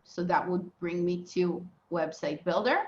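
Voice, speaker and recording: A woman's voice: on the low side, a little slow, slight background noise. A woman with a Southern US accent teaching a live class in a casual way, with many fillers and restarts. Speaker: instructor. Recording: echoey, muffled room sound.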